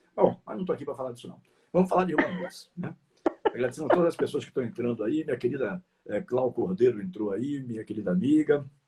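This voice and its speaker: Somewhat breathy and dark and mellow in tone, a man with a fairly high pitch races along at a very fast pace with lively intonation and big swings in loudness. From Brazil. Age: 60s. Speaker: retired sports radio commentator, live show host. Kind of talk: casual interview chat. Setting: live stream. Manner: hesitant, many fillers.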